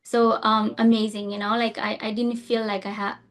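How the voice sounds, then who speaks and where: A woman's voice: on the high side, little pitch movement, normal speed. A woman from Nepal, a nurse practitioner, answering interview questions casually with many fillers and restarts.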